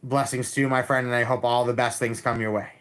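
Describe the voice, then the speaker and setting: A man reading tarot cards on a live stream, talking calmly and repeating himself, with frequent restarts. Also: mid-range voice, fast, slight background noise. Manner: calm, repetitive, with many restarts.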